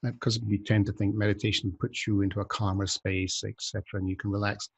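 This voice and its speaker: A man's voice: on the low side, flat delivery, quick pace, creaky, slightly rough. A man hosting a casual podcast chat, rambling and joking, often breaking off mid-sentence. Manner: rambling, self-interrupting, joking. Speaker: podcast host.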